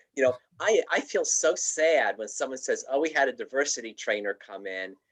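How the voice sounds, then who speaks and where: A man is speaking. Music plays in the background. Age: 60s. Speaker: diversity consultant and trainer. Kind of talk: live-streamed interview.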